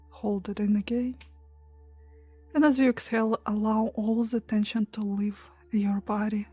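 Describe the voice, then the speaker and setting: A woman leading a guided meditation in a soft, breathy, hushed and soothing voice, pausing between short phrases. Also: medium pitch, no room sound. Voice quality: soft, breathy, near-whisper at times. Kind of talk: guided meditation, hypnotic relaxation countdown.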